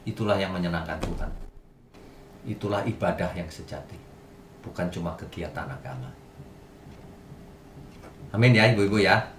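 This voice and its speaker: Pastor preaching from across an echoey room. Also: male voice, deep voice, moderate pace, long pauses. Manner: emphatic, mixes in English words. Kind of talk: sermon teaching. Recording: distant mic in an echoey room with faint noise.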